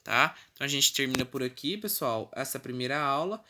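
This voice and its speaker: Here the Brazilian Portuguese-accented teacher sounds bright and forceful, with lively intonation in a mid-range voice and a slightly fast pace. It's a recorded online class lecture where she goes step by step, regularly tossing in checking tags and the odd self-correction.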